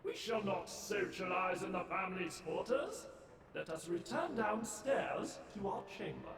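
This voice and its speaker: A prim butler robot. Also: male voice, sits high, lively intonation, unhurried, a bit bright, heavily acted. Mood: courtly. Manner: formal, courteous, fussy about duty. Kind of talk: video game character dialogue. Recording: echoey and distant, game music behind.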